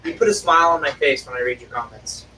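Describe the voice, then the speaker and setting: Chatty man host, lively pitch. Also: quick pace. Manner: chatty, thanks viewers by name. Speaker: live-stream host. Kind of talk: casual chat. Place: workshop. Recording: distant mic with faint background noise.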